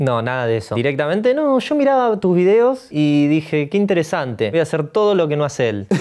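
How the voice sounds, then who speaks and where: Pitch swings very widely at a fairly quick pace with hardly any pauses. The background stays quiet. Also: man, fairly high pitch for a man. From Argentina. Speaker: YouTuber; guest. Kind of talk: casual chat. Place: studio. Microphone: lapel.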